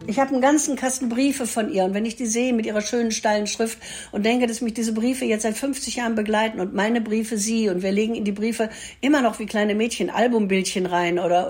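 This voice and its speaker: A woman's voice: fairly high pitch, darkish tone. Older woman remembering a friend fondly. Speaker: longtime friend interviewed. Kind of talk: personal interview.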